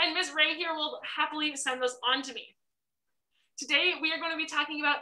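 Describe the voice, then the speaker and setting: A woman's raised, projected voice with a bright, sharp tone and fairly even intonation over a quiet background. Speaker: zoo educator. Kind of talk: lecture. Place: classroom. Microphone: video call.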